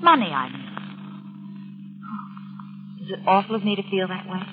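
An American actress playing an anxious, gentle girlfriend with a conscience, speaking earnestly and hesitantly in 1940s radio drama style. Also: mid-range voice, big pitch swings, normal speed, close to an everyday voice. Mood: hesitant, apologetic. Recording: dull vintage radio broadcast.

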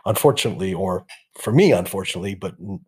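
A middle-aged man speaks with a very low, husky voice. He rambles easily through his story, restarting his sentences and laughing lightly. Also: lively intonation, fast talker. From Iran. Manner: loose, digressive, with frequent restarts and light laughs. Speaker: interview guest. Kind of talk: relaxed conversational storytelling.

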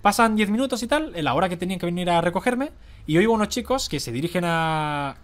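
A man's voice: high-pitched, animated, fast talker. A young man with a Catalan accent and a stuffy nasal cold, telling a story as a podcast guest, rambling with lots of fillers. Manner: rambling, many fillers like "en plan" and "¿sabes?". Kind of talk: casual storytelling in a podcast interview.

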